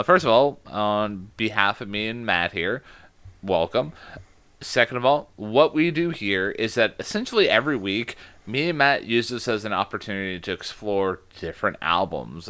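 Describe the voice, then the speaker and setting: Male podcast co-host, lower-pitched, smooth and resonant, casual and rambling. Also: sharp tone, no echo. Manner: rambling, self-deprecating, lots of filler words.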